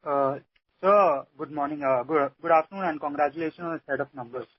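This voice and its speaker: A man's voice: on the high side, a little fast. A man with an Indian accent asking a question as an analyst on an earnings call. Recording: noisy, muffled phone line with clicks.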